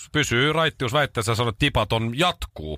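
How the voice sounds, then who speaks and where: The voice has a bright, sharp tone and moves at a fairly quick pace. The recording is very clean, with a silent background. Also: man, dry, close sound with no echo. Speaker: radio host. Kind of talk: casual chat. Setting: studio.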